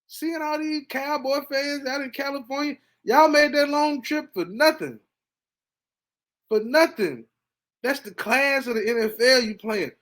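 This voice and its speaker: A man hosting a podcast, reacting casually to a football game, animated and talkative, dropping to low mutters and jumping to excited high bursts. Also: measured pace. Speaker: podcast host. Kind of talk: casual sports reaction monologue.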